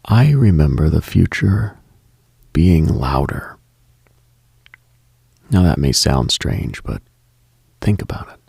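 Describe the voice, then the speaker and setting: A low-voiced man hosting a late-night broadcast, his delivery slow and measured. His husky, gravelly tone often falls to a breathy whisper as he moves through short contemplative lists. The sound is close and dry, with no room around it. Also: very animated, warm tone, no room sound. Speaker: late-night radio host.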